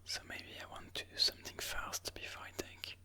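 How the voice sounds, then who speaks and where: Bright ASMR whisper, hushed chess commentary. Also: moderate pace. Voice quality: whispered, breathy, unvoiced. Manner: hushed, musing aloud move by move.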